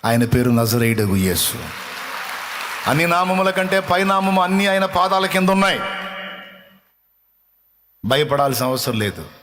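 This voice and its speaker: A man's voice: on the high side, very animated, measured pace, long pauses, fairly bright tone. A male pastor giving an earnest sermon to a congregation, speaking with a Telugu accent and stressing his points by repeating them. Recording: long hall reverb.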